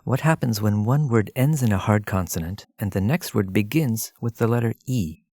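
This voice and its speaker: Male tutor for scripted language lesson, gravelly low register, measured and explanatory. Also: expressive, darkish tone, no echo, clean studio sound. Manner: measured, explanatory, addresses listener directly. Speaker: language teacher.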